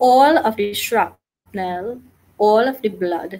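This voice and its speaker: A woman speaks very slowly with a Trinidadian accent. Her pitch is fairly high, with ordinary variation. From Trinidad and Tobago. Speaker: educator and author. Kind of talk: interview. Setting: video call. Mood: reflective, recounting trauma. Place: home room.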